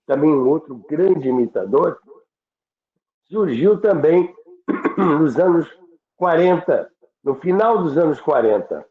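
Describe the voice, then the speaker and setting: A man's voice: a little high, animated, slow, pauses often. A man with a Brazilian accent telling stories conversationally as a radio history commentator, stressing points through repetition and lists. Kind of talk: conversational storytelling. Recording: thin phone-like sound, roomy echo.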